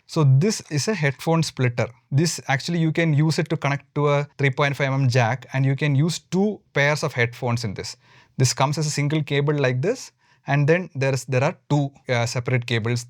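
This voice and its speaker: A man's voice: mid-range voice, no room sound, studio quality. A man with an Indian accent giving an informal step-by-step tutorial as a moto vlogger, often repeating and rephrasing his points.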